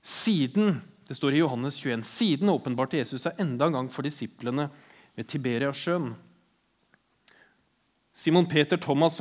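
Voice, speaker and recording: A man preaching a sermon, retelling the story earnestly and voicing the people in it as he goes. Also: mid-range voice.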